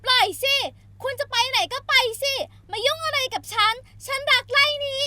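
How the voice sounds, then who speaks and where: A woman voicing a stubborn young woman in an audio novel, shouting in a shrill, high-pitched voice. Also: drawn-out words, full character voice. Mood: furious. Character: young woman farm keeper, stubborn and furious.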